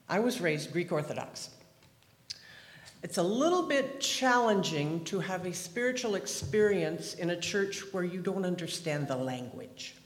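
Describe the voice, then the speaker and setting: A man around seventy from the Pacific Northwest of the US, giving a chatty, humorous personal testimony with wandering restarts. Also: a little high. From Pacific Northwest, USA. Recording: echoey hall with long reverb.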